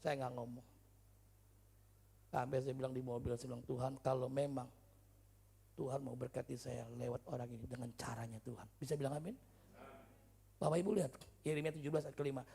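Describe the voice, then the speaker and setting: A male pastor preaching in a church service with humor and stories, swinging from loud shouts to quiet asides. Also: mid-range voice, steady tone, fairly quick, vocal fry, long pauses, breathy edge. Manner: humorous, storytelling, chatty slang. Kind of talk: sermon.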